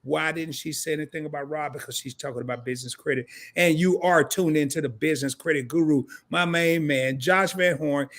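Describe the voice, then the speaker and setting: Joking man with a slightly high voice. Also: a bit bright. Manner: playful and joking, laughs often, slows down to read comments aloud. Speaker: co-host of a credit live stream. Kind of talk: casual live-stream chat reading viewer comments.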